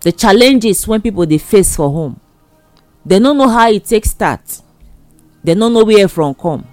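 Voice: mid-range voice, expressive, a little slow, darkish tone, dry recording, faint music behind. A speaker with a Nigerian accent giving admonishing advice in Nigerian Pidgin, in an emphatic, repetitive, exhorting way.

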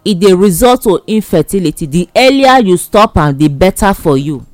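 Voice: medium pitch, expressive, normal speed, dry recording, faint music behind. A speaker with a Nigerian accent giving admonishing advice in Nigerian Pidgin, in an emphatic, repetitive, exhorting way.

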